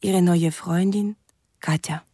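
Young Russian romantic letter writer, dry sound. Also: female voice, fairly low pitch, steady tone, takes it slowly, dark tone, dry recording. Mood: eager, earnest. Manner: stilted foreign grammar, reading letters aloud. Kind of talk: radio drama monologue.

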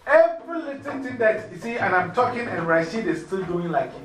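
A middle-aged woman with a Ghanaian accent, mentoring young people in an informal classroom talk, lively and preachy, laughing easily. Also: medium pitch, a little fast, noisy background. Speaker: mentor speaking to youth. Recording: echoey room from far off.

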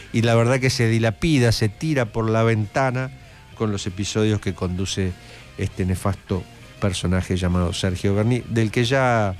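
A man's voice: on the low side, a little mellow. A middle-aged man with an Argentine accent giving indignant, opinionated political commentary as a radio host at a studio microphone. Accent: Argentine Spanish.

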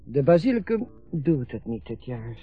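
A man's voice: mid-range voice, big pitch swings, moderate pace, slightly rough. A man acting in a radio drama, playing a chatty, eager middle-aged father proudly showing off his home. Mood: proud, relaxed. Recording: muffled radio play recording, faint music.

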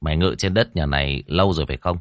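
A man voicing a brusque young male exorcist who questions fast and scolds sternly. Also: rumbling low, no echo, clean studio sound, pitched below the performer's own voice.

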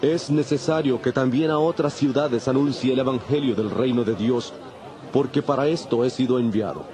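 An actor playing a solemn, authoritative preacher and prophet in a dramatized audio Bible, declaiming with emphasis. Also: male voice, medium pitch, normal speed, crowd noise, lightly acted. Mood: solemn, proclaiming.

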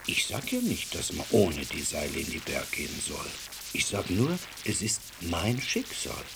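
An actor in a radio play voicing a devout, impassioned Jewish man who speaks haltingly, at times dropping to a whisper. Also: low-pitched, huge pitch swings, creaky, noisy background, heavily acted. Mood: fervent.

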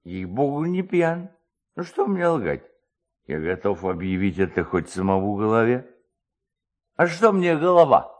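A man's voice: fairly low pitch, big pitch swings, a little slow, pitched below the performer's own voice. Guy doing a drunk stubborn village peasant from a storybook, grumbly, repeats himself, voice all over the place. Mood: defiant, drunken grumbling.

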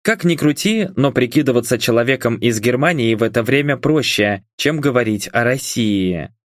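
A male narrator reading a first-person audiobook in a calm, even way. His voice sits in a middle range. The recording is dry, with no room sound. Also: medium pitch, moderate pace, dry recording.

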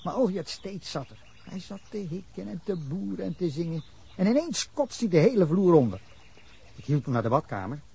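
A man's voice: sits high, very animated, brisk, creaky, mellow, breathy edge, full character voice. An actor playing a defensive middle-aged man giving police an angry, rambling account of a drunken fight, in a radio drama. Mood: indignant. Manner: indignant, rambling account with bursts of anger. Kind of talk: Dutch radio drama acting.

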